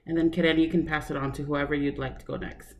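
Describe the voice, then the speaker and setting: A woman hosts a workshop panel with a friendly, eager manner. Her voice sits a little low, with light background noise behind it. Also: little pitch movement, quick pace. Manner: enthusiastic, friendly. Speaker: workshop moderator. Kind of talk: upbeat event moderation.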